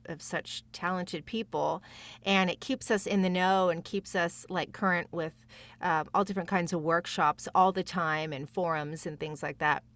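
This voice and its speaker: A woman's voice: fairly low pitch, a bit bright. A woman chatting casually as a podcast guest, effusive and emphatic in the way she talks. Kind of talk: casual chat.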